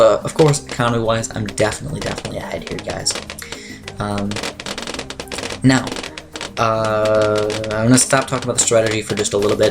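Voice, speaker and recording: A teenage man with a raspy, dry voice chatting casually over his gameplay as a gaming YouTuber, rambling with lots of fillers and clearing his throat. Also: on the low side, noisy background.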